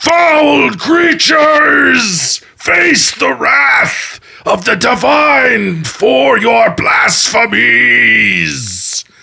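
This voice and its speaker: A man shouts in a put-on character voice. His pitch is high, and his pace is very slow. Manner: wrathful, commanding.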